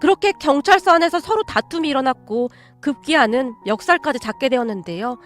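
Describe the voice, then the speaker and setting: A woman narrating a first-person radio story in a steady storytelling way. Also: high voice, fairly quick, faint music behind.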